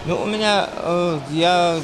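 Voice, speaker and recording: A man, a martial arts coach in a training gym, calling out counts and short commands to his fighters and answering interview questions with hesitant pauses. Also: sits high, noisy background.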